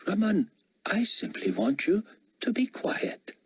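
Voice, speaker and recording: A man's voice: sits high, sing-song, slow pace, slightly rough, no echo, pitched above the performer's own voice, heavily acted. A man voicing a menacing, imperious dictator who speaks in formal, commanding, contemptuous phrases, as in an audiobook thriller. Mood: indignant, commanding. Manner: formal, commanding, haughty diction.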